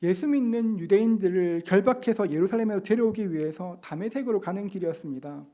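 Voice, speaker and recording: A middle-aged man preaching a sermon as pastor, earnestly explaining scripture and slowing down to read passages aloud. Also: sits high, mellow. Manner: earnest, slows to read scripture and act out quotes. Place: church sanctuary.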